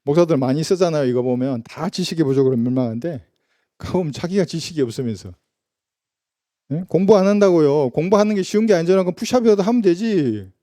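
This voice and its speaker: A man's voice: fairly high pitch, animated, quick pace, warm tone, dry recording, clean studio sound. A man preaching a sermon as pastor in a casual, conversational way, asking his listeners rhetorical questions and briefly acting out the people he quotes. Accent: Gyeongsang Korean. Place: church.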